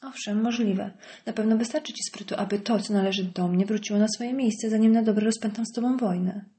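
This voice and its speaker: A woman's voice: mid-range voice, fairly even intonation, brisk, warm tone, natural voice. A woman reading an audiobook voices a cold, scornful wealthy wife, icy and sarcastic.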